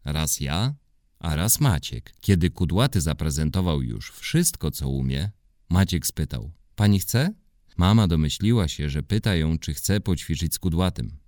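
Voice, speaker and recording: A man reading a children's story aloud in an expressive, playful manner. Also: very deep voice, moderate pace, no echo, studio quality.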